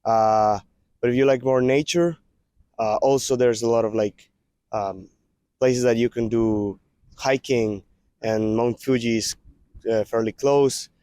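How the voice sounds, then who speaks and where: A man answering interview questions casually, often pausing with fillers. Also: medium pitch, steady tone, mellow, smooth, no echo. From Colombia. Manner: hesitant, many fillers.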